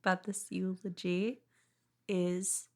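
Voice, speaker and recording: A woman's voice: lowish voice, flat delivery, slow pace, a little mellow. A woman co-hosting a podcast in a casual, chatty style. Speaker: podcast co-host. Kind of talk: casual chat.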